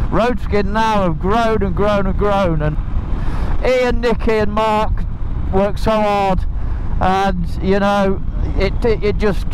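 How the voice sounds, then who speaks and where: A man speaks at a fairly slow pace with monotone, flat intonation and very even loudness. The sound is dry with no echo, though noticeable background noise is present. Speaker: motorcycle vlogger. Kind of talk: casual vlog chat. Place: motorbike. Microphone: helmet.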